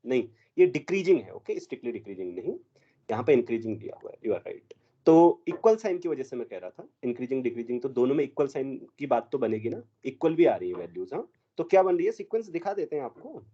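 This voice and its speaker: This is a man giving a math lecture in a classroom, and he keeps quizzing his students as he works through exam options. His voice is dark and mellow. The recording sounds dull and lo-fi. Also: mid-range voice, big pitch swings, quick pace. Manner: mixes Hindi with English math terms, quizzes students. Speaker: math teacher.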